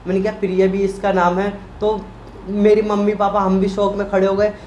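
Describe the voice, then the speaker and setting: A man talks casually to camera, animated and emotional, acting out the people in his story. The room rings with echo, and a faint ambient hum sits underneath. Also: sits high, normal speed, lo-fi sound. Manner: emotional, animated retelling with quoted voices. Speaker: vlogger, husband.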